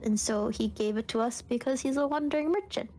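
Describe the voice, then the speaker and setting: High-voiced woman playing a tabletop game. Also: fairly quick, a little mellow, slight background noise, poor audio. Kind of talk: casual in-character improvised dialogue.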